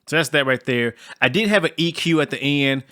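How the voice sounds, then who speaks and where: A man with a low voice giving a casual, slangy music-production tutorial, rambling with fillers. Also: animated, a little fast, sharp tone, smooth. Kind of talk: casual screen-recorded tutorial.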